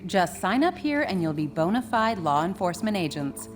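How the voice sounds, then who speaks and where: A smug government enforcer in a video game. Her lowish voice is commanding and coolly polite. Music plays clearly behind her. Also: very animated, moderate pace. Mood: stern, taunting. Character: stern, smug female government enforcer superhuman. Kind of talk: video game cutscene dialogue.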